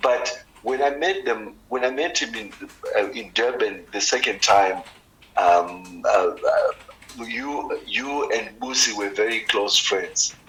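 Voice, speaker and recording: The delivery is very slow, and noticeable background noise runs beneath it. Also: man. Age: 60s. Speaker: musician and professor. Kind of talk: radio interview. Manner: halting, many fillers and repetitions.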